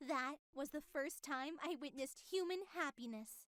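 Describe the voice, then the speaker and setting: A woman's voice: sits high, normal speed, fairly bright tone, dry recording, studio quality. A woman voicing a cheerful, smug young female AI who narrates a horror visual novel in a playful, conversational way. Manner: playful, self-satisfied, conversational. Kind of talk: scripted first-person game narration.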